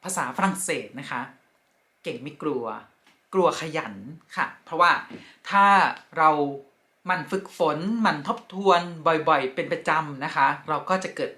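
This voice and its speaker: Female language teacher, patient and polite, slow drilled repetition, bright tone. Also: low-pitched. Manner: slow, careful repetition of each word; polite, ends phrases with soft particles. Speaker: French teacher. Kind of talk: vocabulary lesson.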